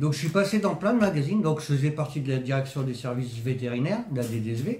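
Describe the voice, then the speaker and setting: The man's voice is fairly high. He speaks at a moderate pace. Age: 50s. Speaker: parrot owner. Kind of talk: casual talk to camera.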